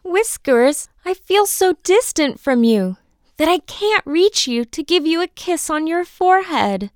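A woman doing a high caring mother mouse. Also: big pitch swings, a little slow, no room sound, clean studio sound, heavily acted. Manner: soft and caring.

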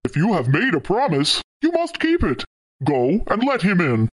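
Grave fairy-tale king, voice dropped low, sweeping pitch, woman reading. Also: huge pitch swings, moderate pace, rough recording. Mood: stern. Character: stern old king, a fatherly ruler.

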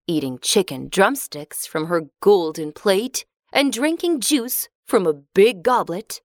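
A woman narrating a fairy tale for children in a clear, expressive reading. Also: mid-range voice, no echo, clean studio sound.

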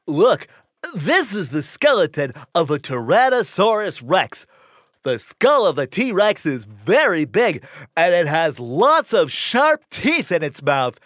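Jolly red-nosed museum guy in a kids cartoon, giggles n sneezes, bouncy pitch, slow. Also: big pitch swings, fairly bright tone, dry recording, studio quality, heavily acted. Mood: chatty. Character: plump jolly male museum curator with red nose. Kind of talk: children's cartoon voice acting.

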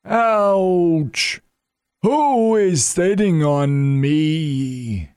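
A woman voicing a big, weak, hungry turtle who complains slowly. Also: deep voice, animated, a little mellow, clear, resonant tone, no room sound, studio quality, voice pushed down, exaggerated voice. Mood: grumbling. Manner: slow, complaining. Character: weak hungry old turtle, slow and groaning.

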